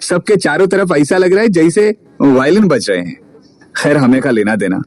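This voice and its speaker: A man's voice: a little high, expressive, normal speed, darkish tone, no room sound, close to an everyday voice. A man voicing a cheeky, joking young man in a storybook reading. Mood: grumbling. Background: music.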